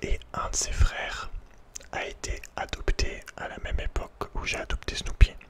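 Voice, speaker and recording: A man telling a personal story in ASMR style, informal and hesitant, often searching for his words. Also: moderate pace. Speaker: ASMR creator.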